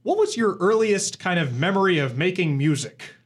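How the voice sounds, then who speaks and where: A man's voice: sits high, animated, moderate pace. A young man hosting a college radio talk show, wry and easygoing as he interviews. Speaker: host.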